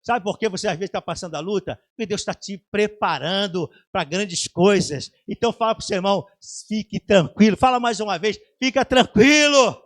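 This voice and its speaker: A man's voice: high-pitched, brisk, few pauses. A man with a Brazilian Portuguese accent preaching a sermon as pastor, emphatic and fervent. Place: church.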